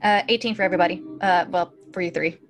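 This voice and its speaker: A woman's voice: lowish voice, quick pace, soft background music. A woman playing a tabletop role-playing game and chatting casually with the group. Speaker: player.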